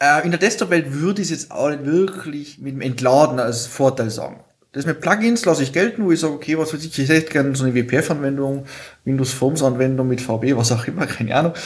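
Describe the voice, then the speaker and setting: A man's somewhat breathy, fairly high voice at a fairly quick pace, with ordinary pitch variation. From Austria, Tyrol. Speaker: software consultant. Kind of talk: technical talk in casual live stream. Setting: live video stream.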